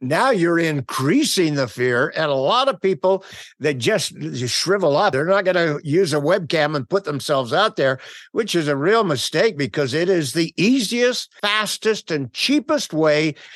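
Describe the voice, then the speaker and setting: With a normal speaking voice and an American accent, a man of fairly high pitch talks at a moderate pace with lively intonation, in a dry, close sound with no echo. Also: quiet background. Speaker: public speaking trainer. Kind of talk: podcast interview.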